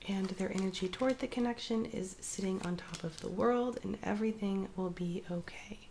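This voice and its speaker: Moderate pace and fairly even intonation from a woman at a medium pitch, with noticeable background noise behind her. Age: 30s. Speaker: tarot reader. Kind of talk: tarot reading. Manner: casual, with filler words.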